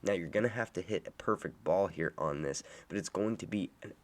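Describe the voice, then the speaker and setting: A man with a low voice, hoarse and raspy from being sick, talks viewers through a game course. His delivery is steady and instructive, like a friendly guide. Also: brisk, crowd noise. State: hoarse from illness. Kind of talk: casual gameplay walkthrough commentary.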